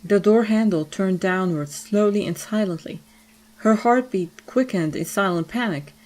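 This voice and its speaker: A woman's voice: medium pitch, measured pace, a little mellow, low-quality recording. A woman reading scripted story narration as the narrator of an audio drama.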